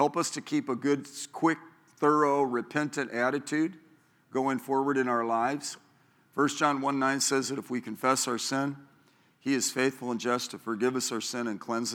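Here a man speaks at a moderate pace in a normal speaking voice. His pitch is medium and his intonation fairly even. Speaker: pastor. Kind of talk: sermon; fervent group prayer. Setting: church. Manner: fervent, rising and pleading, praying aloud with intensity; conversational, humorous, engaging the audience.

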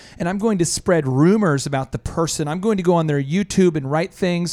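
A man talks at a very fast pace with a high pitch and ordinary pitch variation. The sound is dry and close, with no echo. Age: 30s. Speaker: radio host and business coach. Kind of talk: casual chat. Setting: studio. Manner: animated.

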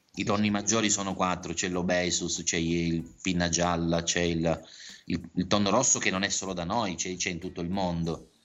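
A man speaks in a very deep, low voice. His intonation is flat and monotone. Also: moderate pace. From Sicily. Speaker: chef. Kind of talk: interview.

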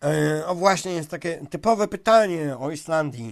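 Intonation here is lively. The pace is very slow. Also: man. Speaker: radio host. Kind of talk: casual chat. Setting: online call, in a cold basement.

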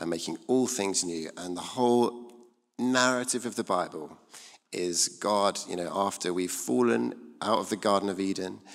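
In an unremarkable speaking voice, a man talks at a moderate pace with fairly low pitch and lively intonation. The recording is very clean, with a silent background. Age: 20s. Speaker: church speaker. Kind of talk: sermon. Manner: casual.

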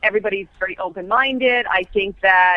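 Using a plain, everyday voice, a woman talks at a moderate speed, her pitch moving in an ordinary way. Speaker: sex advice doctor. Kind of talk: interview, advice. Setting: phone call.

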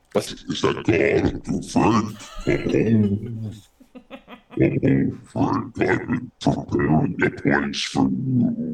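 A man puts on a character voice and talks at a very slow pace. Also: medium pitch for a man. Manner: scary, menacing.

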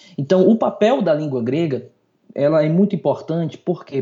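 A man's fairly high voice with lively intonation. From Brazil, Northeast (Ceará). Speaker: pastor and Greek professor. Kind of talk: interview on biblical studies.

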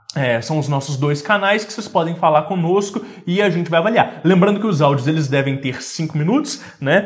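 Moderate pace and a fairly high pitch from a man, with ordinary pitch variation, over noticeable background noise. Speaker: podcast host and reiki teacher. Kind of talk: live stream chat with listener reports. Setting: studio.

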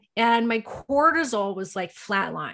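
A woman with a Canadian accent talks at a fairly high pitch with ordinary pitch variation. The recording is very clean, with a silent background. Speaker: hormone specialist and nutrition coach. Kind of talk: interview.

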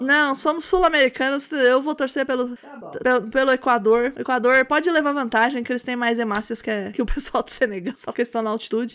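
The speech is animated and fairly quick with hardly any pauses, set against noticeable background noise. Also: woman, high pitch for a woman, ordinary pitch variation. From São Paulo, Brazil. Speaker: podcast host. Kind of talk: casual chat. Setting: home studio.

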